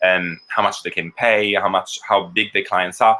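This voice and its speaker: Amid noticeable background noise, a man with an Italian accent speaks at a fairly quick pace and a fairly low pitch. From Italy. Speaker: actor and voiceover artist. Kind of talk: online lesson, casual talk.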